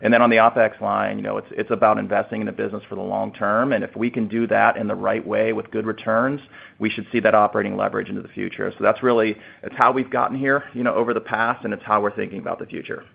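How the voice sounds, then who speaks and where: Male finance executive, quick and husky, speaking informal business talk over a thin call line. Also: on the low side, fairly even intonation. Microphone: conference call line. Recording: narrow, tinny phone-line sound.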